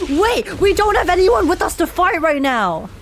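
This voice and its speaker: A woman's voice: extremely high pitch, big pitch swings, normal speed, over music. A woman streaming a game with live, slangy, emotionally invested reaction commentary.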